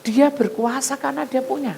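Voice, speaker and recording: A woman pastor, preaching a sermon as she tells a story and acts out its voices with big swings in pitch and loudness. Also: steady tone, a little fast, gravelly, a little hiss or hum, poor audio.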